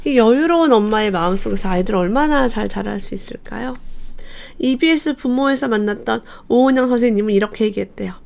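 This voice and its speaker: A woman hosting a book channel, reading passages from a parenting book aloud and commenting on them, telling the anecdotes in a lively way. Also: a little high, a little fast, creaky. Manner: lively storyteller who acts out quoted lines.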